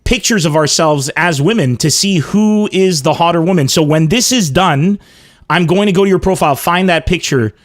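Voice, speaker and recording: A man's voice: fairly high pitch, normal speed. A man hosting a podcast over a remote call, heaping praise on his guest and laughing often. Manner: effusive, flattering, laughs a lot. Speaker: podcast host. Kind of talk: casual podcast banter.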